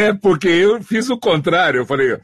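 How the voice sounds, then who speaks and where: A man's voice: sits high, lively intonation, normal speed, dry recording, studio quality. A man hosting a podcast on an online call, chatting casually and adding his own recollections. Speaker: podcast host. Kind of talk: casual interview chat.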